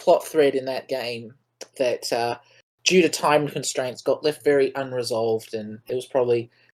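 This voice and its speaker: Someone speaks with an Australian accent. The pace is fairly slow. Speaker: podcast co-host. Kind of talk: casual chat. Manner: hesitant, many fillers and repetitions.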